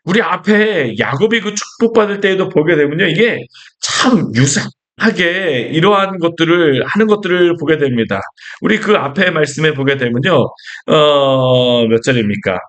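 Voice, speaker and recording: A male pastor preaches a sermon with a somewhat high voice. He talks in a conversational way, keeps asking his listeners rhetorical questions, and acts out the lines he quotes from scripture. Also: animated, moderate pace, fairly bright tone.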